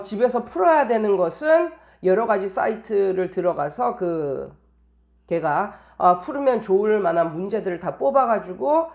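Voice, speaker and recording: A woman's voice: mid-range voice, vocal fry, darkish tone. A woman tutor talking casually in an anecdotal monologue, explaining things and repeating phrases for emphasis. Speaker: private English tutor giving teaching tips.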